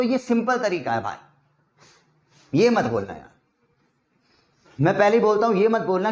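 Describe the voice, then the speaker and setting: A man teaching English in a chatty way, repeating example sentences slowly so learners can drill them. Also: sits high, reverberant. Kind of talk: spoken English lesson in Hindi.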